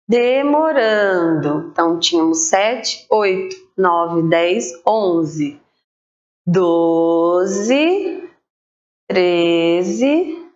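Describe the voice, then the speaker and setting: A woman teacher giving an online literacy lesson to children, spelling words out slowly and clearly syllable by syllable. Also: mid-range voice, highs cut off.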